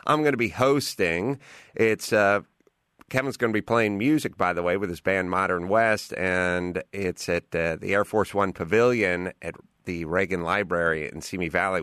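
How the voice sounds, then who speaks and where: A man hosting a podcast, chatting casually and rambling through animated stories. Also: low-pitched, moderate pace, no echo, studio quality. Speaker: podcast host. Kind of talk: casual chat.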